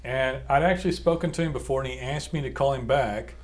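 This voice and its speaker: A man, co-hosting a relaxed podcast. He rambles through a story, mocks himself and often restarts his sentences. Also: medium pitch, quick pace. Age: 40s. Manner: rambling, self-mocking, restarts and laughs. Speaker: podcast co-host. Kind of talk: casual business podcast chat.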